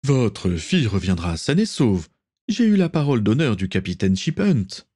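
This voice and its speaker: A man's voice: lowish voice, big pitch swings, moderate pace, a little mellow, pitched above the performer's own voice. A male narrator voicing a self-righteous colonial governor with a lofty, lecturing manner.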